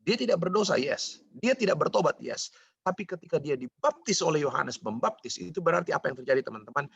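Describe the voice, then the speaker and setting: A man gives a Christmas sermon in a relaxed, conversational style, putting questions to his listeners and answering them himself. His voice is gravelly and a little husky, set somewhat high for a man. The sound is dry and close. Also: quick pace, no room sound, highs cut off. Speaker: preacher.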